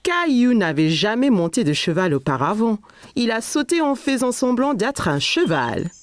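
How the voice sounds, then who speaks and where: A woman's voice: fairly high pitch, sing-song, normal speed, noisy background. A woman narrator reading a scripted children's story expressively, as if to small children.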